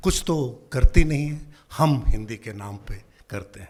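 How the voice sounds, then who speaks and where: A man with a Bihari accent sounds somewhat breathy, his pitch swinging very widely. His loudness swings a lot too. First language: Magahi (speaking Hindi). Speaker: panel speaker, academic. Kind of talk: panel talk. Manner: hesitant with frequent fillers.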